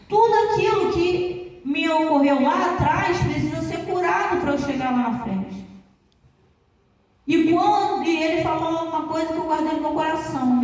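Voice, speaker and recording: A woman's voice: high-pitched, darkish tone. A woman pastor preaching a sermon, telling stories in a conversational way and speaking to her listeners by name. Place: church. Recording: echoey church hall, distant mic.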